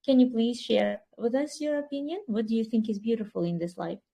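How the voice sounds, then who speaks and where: A woman's voice: fairly high pitch, brisk, gravelly, mellow. A woman hosting an online English speaking club, encouraging the participants and switching between English and over a video call. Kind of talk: online English conversation class.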